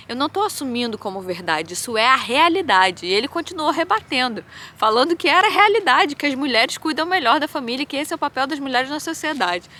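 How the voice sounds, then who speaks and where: A woman in her thirties, a doctor, venting candidly in a vlog monologue, animated and full of fillers. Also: mid-range voice, a little hiss or hum. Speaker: vlogger and hospital doctor.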